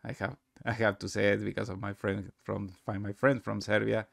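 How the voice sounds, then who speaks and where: A man presents a software walkthrough in a low, gravelly voice. His English is non-native and halting, with a casual delivery. The sound is close and dry. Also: flat delivery, no echo. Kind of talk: casual screen-recorded tutorial narration.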